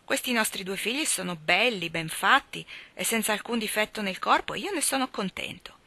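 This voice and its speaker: A woman's voice: medium pitch, expressive, fairly quick, bright, forceful tone. A woman voicing a hearty farmer father. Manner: hearty and exclamatory. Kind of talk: audiobook character voice.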